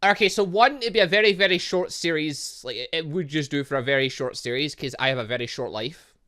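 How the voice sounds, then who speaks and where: A man giving excitable, rambling casual commentary as he plays a visual novel as a gaming host. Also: on the high side, a little fast. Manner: excitable, rambling, reacting aloud. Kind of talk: casual game commentary with lines read aloud from a visual novel.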